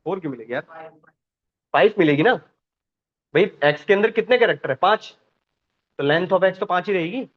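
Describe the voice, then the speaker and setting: A man teaches a programming class. He questions the students often and repeats each point slowly. The recording sounds dull and lo-fi. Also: sits high, expressive.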